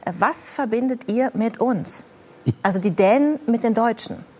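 A woman's voice: fairly high pitch, moderate pace, dark tone. A woman hosting a talk show, introducing her guest and asking him questions in fluent, chatty German.

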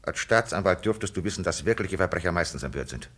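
A grave, husky police captain. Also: male voice, deep voice, animated, a bit bright. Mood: accusing. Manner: grave, insistent, measured. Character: stern male police captain confronting a friend. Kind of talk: old film drama acting.

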